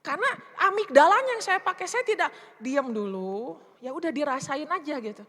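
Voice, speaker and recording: A woman's voice: high voice, expressive, fairly quick, a bit bright. A middle-aged woman speaker and counselor giving a casual, chatty sermon, often asking the congregation questions. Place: church hall. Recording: reverberant church hall.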